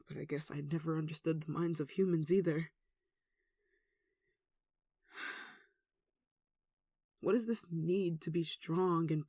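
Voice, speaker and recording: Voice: mid-range voice, breathy edge, no echo. Earnest, anxious villager in a dry, close recording, acted. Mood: sorrowful. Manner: earnest, hesitant, soft sighing delivery. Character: anxious, devout, caring villager nursing an injured demon. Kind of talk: ASMR roleplay audio drama.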